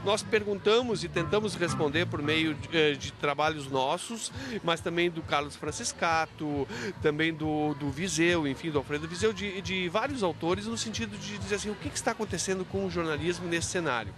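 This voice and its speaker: A man's voice: a little high, normal speed. A man explaining things in a spontaneous interview, didactic, posing rhetorical questions as he goes. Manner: didactic, with rhetorical questions and frequent self-checks. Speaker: university professor interviewed about his book.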